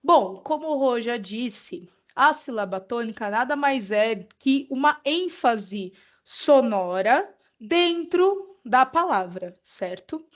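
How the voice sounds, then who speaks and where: A woman teaches a pronunciation lesson in a high, bright-pitched voice. She speaks slowly and patiently, pausing often to check that her students follow. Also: lively intonation. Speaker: English teacher. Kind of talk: classroom lesson explanation.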